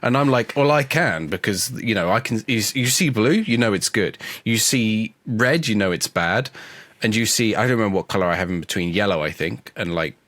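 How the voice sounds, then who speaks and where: A man's voice: fairly low pitch, lively intonation, brisk, a bit bright, dry recording. A man co-hosting a podcast in casual chat, congested from a cold and chatty, with frequent restarts. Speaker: podcast co-host.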